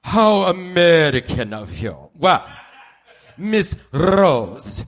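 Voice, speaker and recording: A man as a slow, stuffy English officiant. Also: fairly high pitch, big pitch swings, heavily acted. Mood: fussy politeness. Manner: formal, pompous, deliberate. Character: stuffy, ceremonious English officiant announcing royalty. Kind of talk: live comedic radio play.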